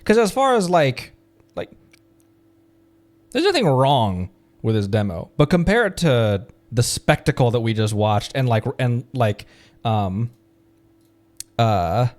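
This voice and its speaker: Man reacting live with very lively pitch. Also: slow pace, pauses often. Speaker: streamer. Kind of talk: casual live reaction commentary. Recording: music playing behind the voice. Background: game trailer music.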